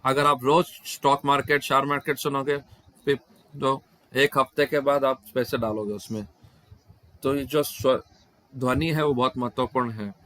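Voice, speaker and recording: A man's voice: mid-range voice, fairly even intonation, normal speed, fairly bright tone. A man interpreting questions and answers at a devotional scripture class over an online video call, often breaking off and restarting words mid-phrase.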